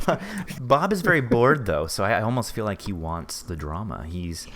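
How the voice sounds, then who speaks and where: Man, lowish animated voice, casual podcast interviewer, faint noise and clicks behind. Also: normal speed. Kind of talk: casual chat. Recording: clear background noise, clicks.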